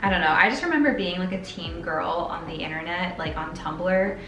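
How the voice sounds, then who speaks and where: Bright-voiced young woman vlogger in a roomy space. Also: on the low side, normal speed, slight background noise. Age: 20s. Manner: bubbly, playful, hyperbolic. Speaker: sewing vlogger. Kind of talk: casual chatty vlog. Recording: roomy echo, music behind. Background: music.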